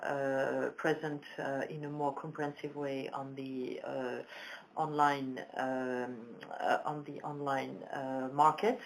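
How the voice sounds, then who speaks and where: A woman executive answering questions on a financial conference call, halting and hesitant with frequent pauses. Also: rumbling low, flat delivery, a little hiss or hum, low-quality recording. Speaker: company executive.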